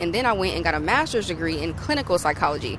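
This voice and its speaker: Background noise is noticeable here. The speaker is a woman. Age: 30s. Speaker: tech career content creator. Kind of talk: livestream Q&A. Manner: casual, conversational.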